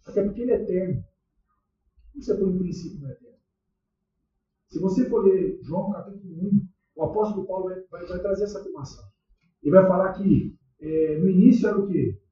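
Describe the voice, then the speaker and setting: High-voiced Brazilian pastor in echoey church. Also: male voice, brisk. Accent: Brazilian Portuguese. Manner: conversational, asks the congregation questions, slangy. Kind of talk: sermon. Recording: echoey church hall, distant dull mic.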